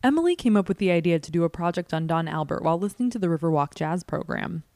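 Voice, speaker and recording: A woman's voice: fairly low pitch, lively intonation, fast, darkish tone, no echo, studio quality. An American woman reading scripted narration in the manner of a public radio host and reporter.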